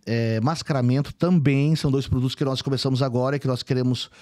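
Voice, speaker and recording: A man's voice: mid-range voice, steady tone, fast, darkish tone. A man in his forties from southern Brazil, with a faint gaúcho accent mixed with São Paulo traces, speaking as a guest in a casual interview with many restarts and tag questions. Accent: mixed Brazilian Portuguese, gaúcho with São Paulo traces. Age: 40s. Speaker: company CEO, podcast guest.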